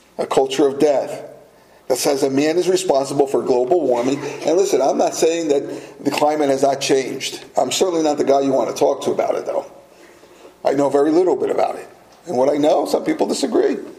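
A man speaks fairly quickly while noticeable noise runs in the background. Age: 50s. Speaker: pastor. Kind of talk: sermon. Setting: church.

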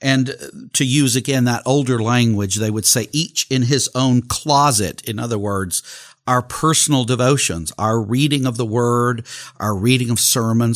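This is a man with an American accent and a normal speaking voice. He talks at a moderate pace and medium pitch with ordinary pitch variation. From US South. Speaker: seminary professor. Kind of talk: lecture.

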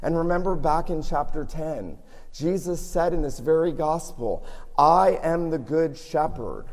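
Heard with audible room echo, the voice moves at a fairly slow pace with fairly even intonation. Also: man, fairly high pitch for a man. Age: 40s. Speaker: pastor. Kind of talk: sermon.

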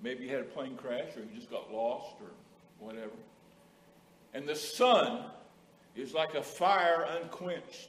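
A man talks fairly slowly with long, frequent pauses, his fairly high pitch swinging very widely. His loudness varies greatly, with noticeable background noise behind him. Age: 70s. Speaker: lay preacher. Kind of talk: sermon. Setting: church.

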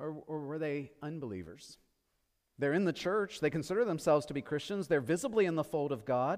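Talking at a fairly quick pace, a man with an unremarkable speaking voice and a fairly high pitch uses lively intonation. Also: very clean recording, silent background. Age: 40s. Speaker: pastor. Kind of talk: sermon. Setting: church.

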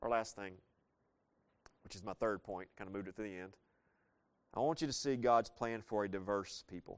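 Speaking in a Southern US accent, a man with a fairly low pitch talks at a fairly quick pace with ordinary pitch variation, big swings in loudness, and long, frequent pauses. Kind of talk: sermon.

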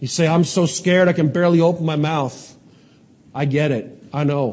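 A man speaks at a moderate pace and a fairly high pitch. He has a plain, everyday voice. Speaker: preacher. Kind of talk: sermon. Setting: church.

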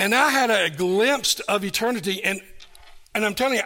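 In an American accent, a high-pitched man speaks in a raised, projected voice with lively intonation. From US South, Kingsport, East Tennessee. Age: 70s. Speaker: pastor. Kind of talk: sermon. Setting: church.

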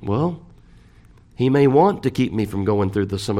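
This man has a dark, mellow tone. His pitch sits in the medium range. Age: 80s+. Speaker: preacher. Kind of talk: sermon. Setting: church.

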